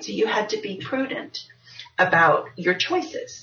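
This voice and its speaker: A woman talks with an American accent. Noticeable background noise is present. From born in US, raised in French-speaking Europe. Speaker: author and civic workshop teacher. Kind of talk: interview.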